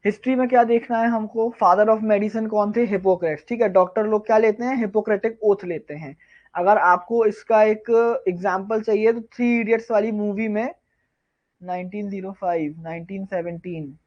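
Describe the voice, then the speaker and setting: A male tutor giving a live online revision lecture, firing off quiz questions and answering them himself, slowing down to dictate key terms. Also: high voice, steady tone, dull audio. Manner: quizzes viewers, then answers his own questions. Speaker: pharmacognosy tutor.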